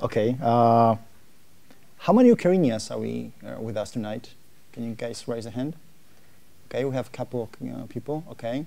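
A middle-aged man hosts a live interview. His voice is dark and relaxed, at an ordinary pitch. He builds his questions haltingly, pausing and starting again. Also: creaky. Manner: halting, hesitant phrasing. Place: university lecture room.

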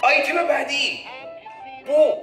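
Pompous heroic vlog-skit announcer, acted by a man, raised pitch, loud deliberate declaiming, heavy echo. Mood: grand, declaiming. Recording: very echoey, music behind.

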